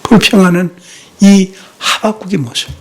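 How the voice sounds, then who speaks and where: A man's voice: sits high, moderate pace. A man who is a missionary, preaching a sermon in a church. He keeps asking the congregation rhetorical questions and drops in short "yes" interjections. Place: church sanctuary.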